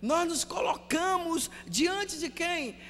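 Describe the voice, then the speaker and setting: A Brazilian priest preaching a sermon, telling stories and repeating words for emphasis, often dropping to a hush. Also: male voice, very high-pitched, animated, slow pace, big-room sound, faint music behind. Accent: Brazilian Portuguese.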